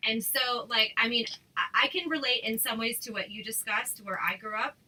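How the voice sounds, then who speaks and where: A woman's voice: fairly high pitch, moderate pace, bright, forceful tone, poor audio. A woman hosting a casual chat over a video call, talking in loose, filler-heavy sentences with frequent restarts. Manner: chatty, many fillers and restarts. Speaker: host.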